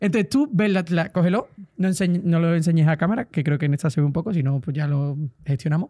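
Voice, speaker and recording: The man has a high pitch and an animated tone. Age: 20s. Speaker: podcast host. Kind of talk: casual chat. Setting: studio.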